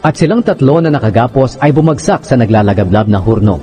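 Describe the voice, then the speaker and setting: A man narrating scripture in a measured, solemn, scripted style, with music underneath. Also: mid-range voice, lively intonation, dark tone. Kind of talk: scripted dramatized Bible narration.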